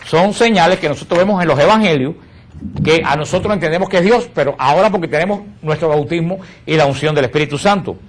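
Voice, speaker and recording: A man teaching catechism to a group, asking questions and answering them himself, slowing and lowering his voice on key words. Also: a little hiss or hum.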